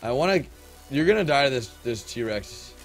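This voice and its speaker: A man's voice: medium pitch, normal speed. A young man streaming a multiplayer survival game, joking and calling out to his teammates. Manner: joking, excitable, chanting repeated phrases. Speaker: gameplay streamer. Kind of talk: casual multiplayer game chat. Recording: faint background music.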